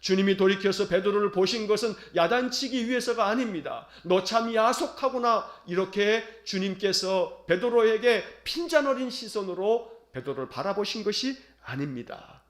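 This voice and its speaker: High-voiced earnest Korean pastor. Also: male voice, animated, roomy sound. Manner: earnest, solemn preaching with slow, tender quoted lines. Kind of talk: sermon.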